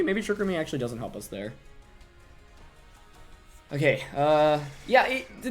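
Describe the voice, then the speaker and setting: A young man commentating his own competitive video game battle, thinking aloud and second-guessing his plays. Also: a little high. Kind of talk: live gameplay commentary.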